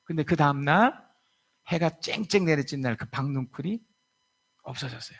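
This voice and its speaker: Gravelly man preaching. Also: fairly high pitch, moderate pace. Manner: lively storytelling, acting out quoted voices. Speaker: pastor. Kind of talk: sermon. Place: church sanctuary.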